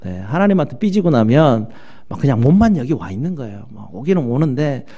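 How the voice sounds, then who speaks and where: Pastor guy preaching in church, voice jumps all over, warm mellow tone, big loud bits then low asides. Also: a little fast, highs cut off. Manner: animated preaching that swings between loud acted outbursts and low asides. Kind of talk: sermon.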